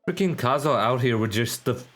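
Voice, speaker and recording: A man's voice: mid-range voice, expressive, fairly quick, fairly bright tone, soft background music. A man streaming a video game live, casually commenting and swearing a lot.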